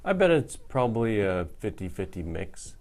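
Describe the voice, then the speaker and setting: A man's voice: fairly low pitch, very animated, moderate pace, a crowd in the background. A man who owns a business, speaking plainly in an interview. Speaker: business owner.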